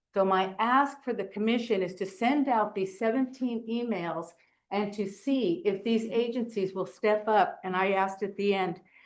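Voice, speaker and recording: Here is an ordinary speaking voice. It belongs to a woman of medium pitch. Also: ordinary pitch variation, moderate pace. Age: 60s. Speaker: member of the public giving comment. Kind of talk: public comment.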